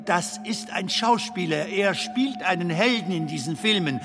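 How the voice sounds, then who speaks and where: An actor playing a gentle, wistful film comedian in a radio drama, speaking in halting, hushed, wondering phrases. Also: male voice, high-pitched, lively intonation. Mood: gently amused. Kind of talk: radio drama acting in German.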